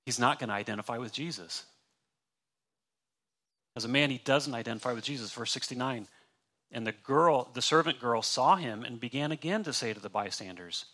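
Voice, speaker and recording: A man delivers a sermon with a bright, clear tone. He talks in an easy, conversational way, leaning hard on key words and acting out the lines he quotes. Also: medium pitch. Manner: conversational, emphatic, acts out quotes. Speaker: pastor.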